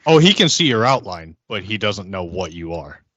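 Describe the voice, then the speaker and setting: A man playing an affable vampire agent in a tabletop game, talking in a casual, halting, friendly way. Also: deep voice, very animated, a bit bright, husky, no room sound, highs cut off, heavily acted. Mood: polite, hesitant. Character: affable, hesitant male vampire agent on a mission. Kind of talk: in-character tabletop roleplay.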